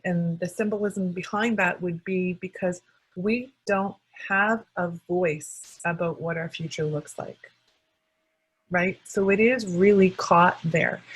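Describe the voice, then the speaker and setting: A woman practitioner guiding a call-and-response tapping session, speaking calmly in short phrases for her client to repeat. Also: fairly low pitch, slow pace, husky, rough recording.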